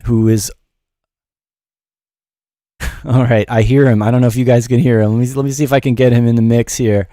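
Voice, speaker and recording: A man's voice: mid-range voice, fairly even intonation, fairly quick, long pauses, warm tone, no room sound, studio quality. A middle-aged man giving a casual livestream music production lesson in a rambling, informal, self-deprecating way. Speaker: music production teacher and show host.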